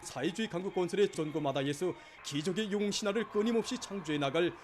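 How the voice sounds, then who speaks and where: A man's voice: high voice, fast, slight background noise. A man with a North Korean accent narrating formal scripted news in a solemn, fervent, declamatory state-broadcast style. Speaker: news announcer.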